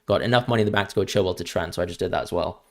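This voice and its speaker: Low-voiced and rapid-fire, a young man from Hong Kong with an international school accent answers viewers' questions in a casual live-stream chat. He is chatty and tends to trip over repeated words at the start of sentences.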